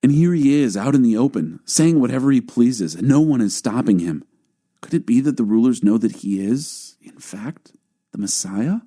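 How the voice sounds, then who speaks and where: A man's voice: mid-range voice, lively intonation, moderate pace, warm tone, lightly acted. A man voicing puzzled, argumentative crowd members who question things in a dramatized scripture audiobook.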